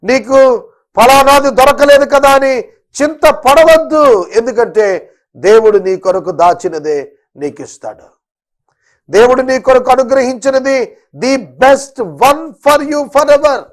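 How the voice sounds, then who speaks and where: High-voiced man preaching with pleading questions. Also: expressive, slow, long pauses. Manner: pleading, repeated rhetorical questions, mixing in English phrases. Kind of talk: sermon.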